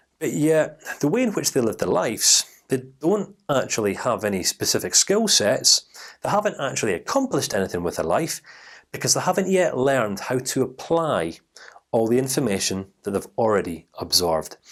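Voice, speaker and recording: At a moderate pace, a man of medium pitch speaks with vocal fry and very wide pitch swings. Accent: Scottish. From Scotland. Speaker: life coach, online course instructor. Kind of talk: online course lecture.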